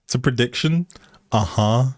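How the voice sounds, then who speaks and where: A man's voice: mid-range voice, normal speed, darkish tone, dry recording. A man livestreaming a game with casual, playful, teasing chat to his viewers.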